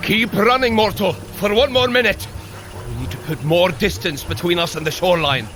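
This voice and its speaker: An actor playing a hearty, commanding Norse thunder god in an audio adventure drama, declaiming in old-fashioned heroic speech. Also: male voice, high-pitched, normal speed, fairly bright tone, slight background noise. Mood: urgent, commanding. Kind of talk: audio adventure drama acting for a fitness running app.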